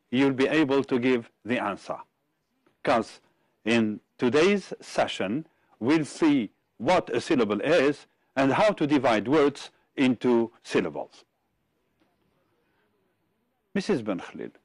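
A man English teacher introducing a lesson and reading words out slowly and distinctly. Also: mid-range voice, dry recording. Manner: measured, reads word lists distinctly. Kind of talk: slow clear classroom instruction.

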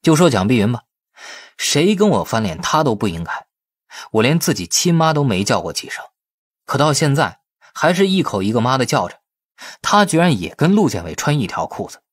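A man's voice: mid-range voice, sing-song, normal speed, husky, no room sound, studio quality. A man voicing a cocky, teasing young businessman in an audiobook, glib and mock-innocent. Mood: aggrieved.

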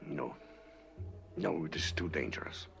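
An actor playing a weary, defiant very old man in a mid-century war film, speaking gravely and resentfully. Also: rumbling low, unhurried, fairly bright tone, faint music behind, heavily acted. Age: older. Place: cluttered indoor tailor's workroom.

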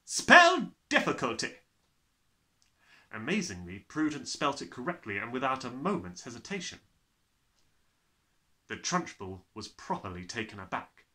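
A man's voice: mid-range voice, sing-song, moderate pace, bright, forceful tone. A man in his twenties narrating a children's storybook expressively. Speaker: storybook reader.

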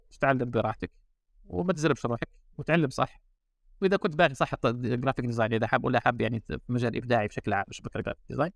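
Fast-talking Algerian man, dry sound. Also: mid-range voice, vocal fry, no echo. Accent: Algerian Arabic. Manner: relaxed, mixes in English and French words. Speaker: guest designer. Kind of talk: casual podcast chat. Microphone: remote call.

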